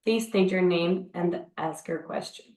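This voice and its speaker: A woman's voice: lowish voice, measured pace, a little mellow. A woman working as a conference call operator, reading scripted announcements in a formal, procedural manner. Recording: roomy, echoing call audio.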